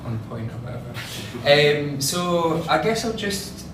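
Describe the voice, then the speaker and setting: A man with a strong Scottish accent giving an informal public talk as a curator, chatty and halting, often repeating words. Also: on the high side, sing-song. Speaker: gallery curator co-presenting an exhibition tour. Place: indoor gallery space. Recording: very echoey room, distant mic, noisy.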